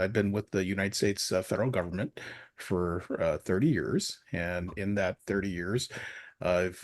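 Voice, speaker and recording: Low-voiced man, hesitant with fillers. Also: no room sound. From China. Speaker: guest speaker. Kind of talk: self-introduction in an online talk.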